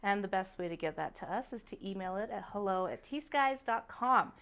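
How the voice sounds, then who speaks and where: A woman hosting a live-streamed jewelry sale, chatty and upbeat, greeting viewers by name, her voice a little raspy from a sore throat. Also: mid-range voice, expressive, brisk, a bit bright. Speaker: jewelry show host. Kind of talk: live-stream sales chat.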